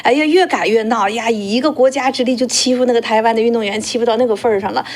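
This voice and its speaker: A woman's voice: a little high, racing. A woman co-hosting a casual political talk show, indignant and pressing her points with rhetorical questions.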